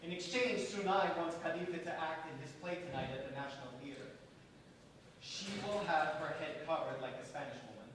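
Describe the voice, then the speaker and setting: Casting: man playing a cautious Westernised negotiator, restrained stage delivery, fairly high voice, heard from a distance. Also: brisk, fairly bright tone, lightly acted. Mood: wary, restrained. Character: wary, plain-spoken Westernised male intermediary. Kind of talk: theatrical staged reading. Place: large echoing hall, staged reading. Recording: very echoey room, distant mic, faint noise.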